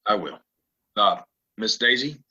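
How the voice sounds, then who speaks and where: Man playing a husky, low-voiced weary gunslinger. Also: big pitch swings, unhurried, pushed and bright, exaggerated voice. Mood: shy, awkward. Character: weary, guarded male gunslinger stranger in a western. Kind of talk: audio play acting. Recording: dull lo-fi home recording.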